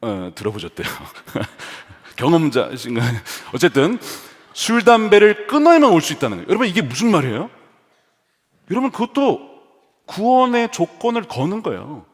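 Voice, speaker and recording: A male pastor preaching an animated sermon in a church sanctuary, mixing humor with rhetorical questions. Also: on the high side, moderate pace. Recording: long reverb of a large hall.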